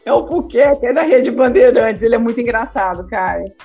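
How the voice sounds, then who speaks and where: A woman's voice: a little high, fairly quick, warm tone, breathy edge, soft background music. A woman, a teacher and former radio host, answering interview questions in a casual, hesitant way, often repeating words. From Amazonas, Brazil.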